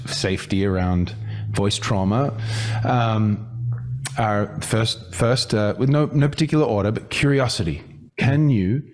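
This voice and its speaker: A man speaking as a voice coach in a conversational teaching style, halting and reflective, gently inviting the listener in. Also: fairly low pitch.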